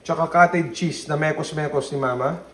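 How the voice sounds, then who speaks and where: Young male vlogger, slightly high voice, teasing and playful, casual chat to his viewers. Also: fairly even intonation, normal speed, a bit bright. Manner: playful, teasing, mixes English into his talk. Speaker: vlogger host.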